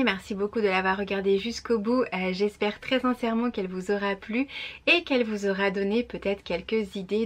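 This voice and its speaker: A woman's voice: medium pitch, fairly bright tone. A woman, presenting upcoming book releases in a casual, chatty way with frequent hesitations. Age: 30s. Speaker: book vlogger.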